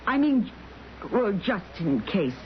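An uneasy, tactful nurse with a mid-pitched voice. She hesitates and trips over her words in old radio drama style. The broadcast sounds dull, with faint noise. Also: big pitch swings, takes it slowly. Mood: nervous, tactful. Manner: hesitant, stammering, apologetic. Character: nervous, tactful private nurse. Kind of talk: 1970s radio drama acting.

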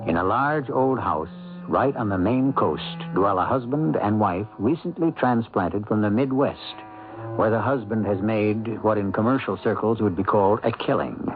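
An actor as a suave, ominous host narrating a radio mystery in a measured, theatrical, insinuating way. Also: male voice, lowish voice, lightly acted. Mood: ominous, suspenseful. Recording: narrow-band old radio broadcast. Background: loud dramatic music.

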